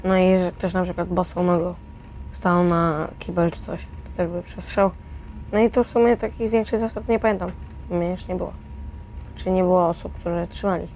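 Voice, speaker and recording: A young woman with a mellow, slightly low voice explains things casually and in slang. There is faint noise behind her. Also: moderate pace. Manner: informal, slangy. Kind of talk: casual personal account. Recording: some steady background noise.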